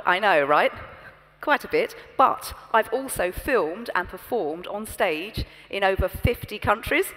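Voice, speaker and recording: A young British woman giving a scripted keynote on a large conference stage, poised and expressive, through a headset mic. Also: medium pitch. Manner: poised, expressive, storytelling delivery. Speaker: keynote speaker. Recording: long reverb from a large hall.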